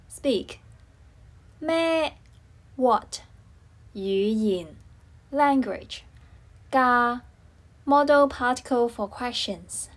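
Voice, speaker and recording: A woman presenting a scripted language lesson as teacher, saying words and phrases one by one in a deliberate, carefully separated way. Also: a little high.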